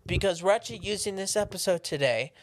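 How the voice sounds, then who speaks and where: A man's voice: high-pitched, quick pace. A man co-hosting a podcast, bantering casually, riffing on jokes and laughing mid-sentence. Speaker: podcast co-host.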